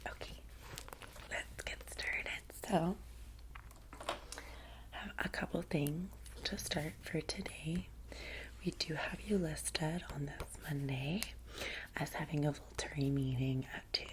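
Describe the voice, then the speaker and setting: A low-voiced woman speaks in a soft, breathy whisper with a Valley girl American accent. She plays a vampire's soothing personal assistant in an ASMR roleplay, chatting casually and giving close personal attention. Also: steady tone, slow, pauses often.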